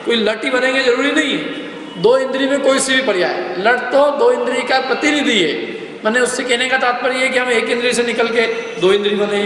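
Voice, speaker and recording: A man's voice: extremely high pitch, fairly bright tone. A man giving a religious lecture to a class, explaining step by step and asking his listeners questions. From India. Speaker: lecturer on scripture. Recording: echoey hall, faint background noise.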